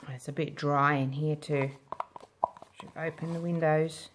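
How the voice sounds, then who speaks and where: Low-pitched woman chatting through a craft demo. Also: level tone, unhurried, slight background noise. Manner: informal, thinking aloud as she works. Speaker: craft tutorial host. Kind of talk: casual hands-on demo chat.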